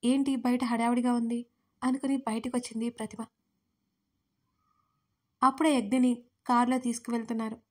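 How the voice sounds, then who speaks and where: A woman narrating a romance audio story as a steady, dramatic reading. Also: fairly high pitch.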